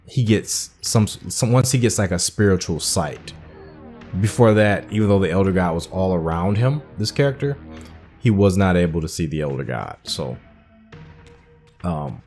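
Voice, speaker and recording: Deep-voiced man doing casual game commentary. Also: darkish tone. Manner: informal, thinking aloud. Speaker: gaming host.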